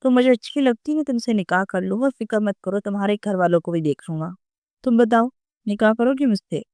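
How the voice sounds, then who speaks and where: A woman reading the lines of a young male boss who speaks gently and reassuringly. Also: mid-range voice, no room sound, lightly acted.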